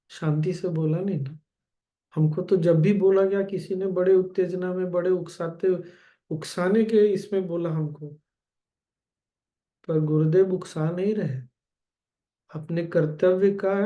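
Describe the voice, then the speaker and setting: Slow, mellow-voiced spiritual teacher man. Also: fairly high pitch. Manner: calm, gentle, addresses listeners directly. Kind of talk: spiritual discourse.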